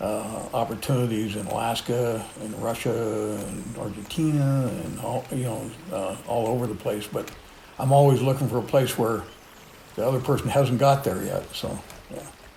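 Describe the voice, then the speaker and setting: Audible room echo and noticeable background noise surround a man speaking at a medium pitch and a moderate pace with fairly even intonation. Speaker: retired fish biologist and conservationist. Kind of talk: casual interview.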